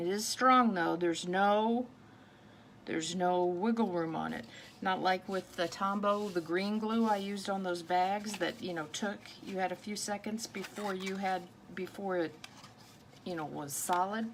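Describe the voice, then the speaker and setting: A woman speaks at a moderate pace and medium pitch in an ordinary speaking voice. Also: fairly even intonation. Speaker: paper crafting demonstrator. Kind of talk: live craft tutorial. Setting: Facebook live stream. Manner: casual, chatty.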